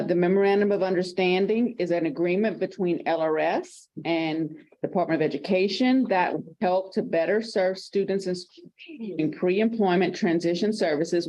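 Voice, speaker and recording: A woman's voice: fairly low pitch, darkish tone, low-quality recording. A woman giving a committee report at a public council meeting, reading from notes with fillers and small restarts.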